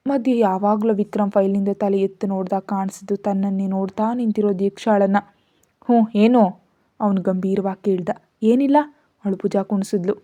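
A woman's voice: mid-range voice, mellow. A woman narrating a story in a scripted storytelling style, reading every character's lines herself. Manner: reads all characters, raising her voice for dialogue.

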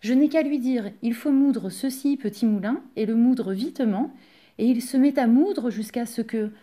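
A woman's voice: fairly high pitch, moderate pace, mellow, close to an everyday voice. A woman voicing a poor, humble man who stays content and polite. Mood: obliging.

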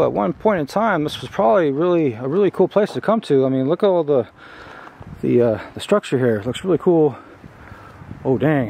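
A man in his thirties hosts an informal exploring vlog with a mid-pitched voice. He talks haltingly, thinking aloud as he walks. The handheld camera audio carries a light layer of ambient noise. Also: darkish tone. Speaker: host exploring abandoned places. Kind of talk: casual exploration vlog, narrating as he goes. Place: outdoors and inside derelict buildings, walking. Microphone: handheld camera at arm's length.

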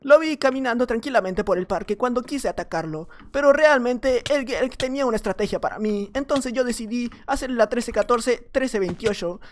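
A man with a Mexican accent giving playful, jokey gameplay commentary, swinging between loud excited outbursts and low mumbles. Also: brisk, hardly any pauses. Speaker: gaming YouTuber.

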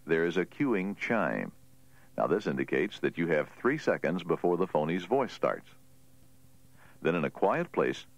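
Deep, animated male announcer. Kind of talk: scripted instructional narration.

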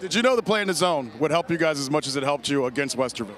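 A man's voice: on the high side, lively intonation, very fast, a bit bright. A middle-aged American man interviewing as a sideline sports reporter after a game, on a handheld mic in an arena. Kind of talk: postgame TV interview. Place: on the court of a large indoor arena. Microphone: handheld reporter microphone.

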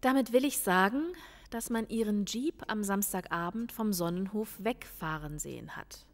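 An actress in a crime radio play as a calm female police lieutenant, questioning in a measured, insistent way. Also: mid-range voice, long reverb tail, natural voice. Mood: probing, insistent. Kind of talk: audio drama dialogue.

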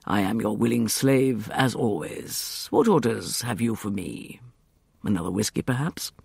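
A man voicing a suave, sardonic gentleman schemer who talks in a slow, irritating drawl. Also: lowish voice, lively intonation, creaky, husky, dry recording, clean studio sound, voice pushed down, heavily acted. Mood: smooth.

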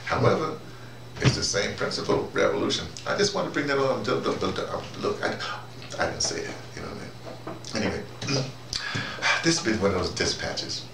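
Older guy ranting to camera, really animated, keeps digressing, echoey room with noise, mic a few feet off. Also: on the low side, a little fast, vocal fry. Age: middle-aged or older. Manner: animated, digressive, searching for words, repeats himself. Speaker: audio drama director. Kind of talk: rambling opinionated monologue to camera. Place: small indoor room or office. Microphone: camera a few feet away. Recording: roomy, distant camera mic, noisy.

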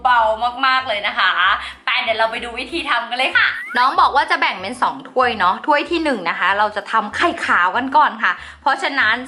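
A woman's voice: on the high side, fairly quick, hardly any pauses, bright, forceful tone. A woman hosting a chatty craft tutorial, bubbly and polite, talking straight to her viewers. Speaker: slime-making channel host.

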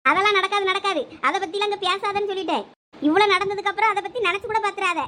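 A woman playing a defensive, sharp-tongued elder sister in a village comedy skit, speaking with a Thoothukudi Tamil accent and quick retorts. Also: extremely high pitch, steady tone, a little hiss or hum. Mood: scolding.

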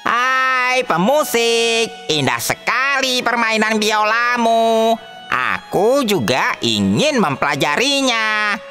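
A gentle little cartoon rabbit with a bright, sweet voice and a very slow, earnest delivery, as a woman plays it. It sounds obedient and lively in pitch. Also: soft background music, exaggerated voice.

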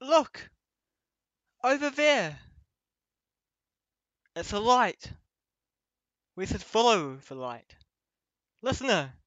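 A protective young escape companion, played by a man in an ASMR roleplay, speaking very close and dry on a slightly dull recording. The delivery is slow and halting, broken into short phrases that guide and shield the listener. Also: high voice, big pitch swings, a bit bright, dry recording, heavily acted. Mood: urgent, reassuring.

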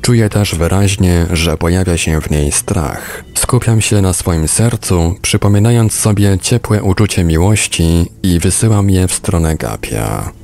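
A man's voice: low-pitched, a little slow, few pauses, darkish tone. A man reading a book aloud as scripted narration. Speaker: audiobook reader.

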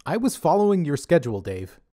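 A man's voice: a little high, very animated, fairly quick, mellow, dry recording, studio quality, voice pushed up. Man doing a smug wisecracking young survivor. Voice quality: sarcastic, deflecting.

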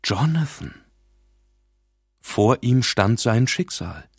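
A man reading an audiobook in a measured, dramatic scripted narration, recorded in a studio. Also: medium pitch, big pitch swings, breathy edge, no echo.

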